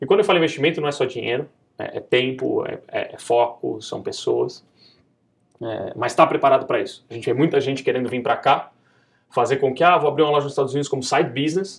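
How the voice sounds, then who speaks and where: A man speaks with a Brazilian accent. His pace is very fast. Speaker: company executive. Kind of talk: interview. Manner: halting, many fillers.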